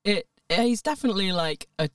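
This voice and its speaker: A man's voice: high-pitched, animated, fairly quick, a bit bright, clear, resonant tone, dry recording, clean studio sound, distant mic. A man, a guest actor, chatting casually and upbeat on a podcast with frequent laughs.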